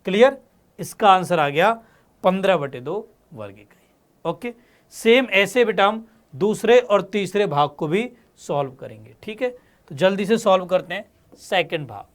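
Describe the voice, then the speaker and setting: A man with a high-pitched voice teaches a maths lesson, talking students through each step of the working. He checks in with them often and calls them in fondly. His delivery stays patient and methodical as he explains. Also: lively intonation, measured pace. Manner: addresses students as beta and bachche, frequent check-ins.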